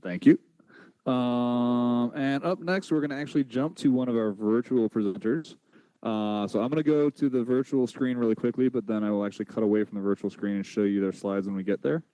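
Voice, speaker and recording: A man's voice: medium pitch, brisk, warm tone, no echo, low-quality recording. A man hosting a conference event, introducing the next presenter in a casual, informal way. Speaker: event host.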